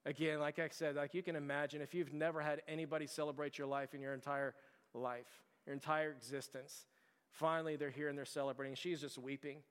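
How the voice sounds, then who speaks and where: A male pastor preaching in a church sanctuary with a long, ringing reverb. His voice sits a little higher than most men's and comes through smooth and resonant. He talks in an earnest, conversational storytelling way. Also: flat delivery, a little fast, a bit bright. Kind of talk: sermon.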